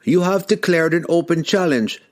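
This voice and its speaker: A man's voice: on the high side, normal speed, voice pushed up, close to an everyday voice. A man voicing a firm older male tribal elder who speaks formally.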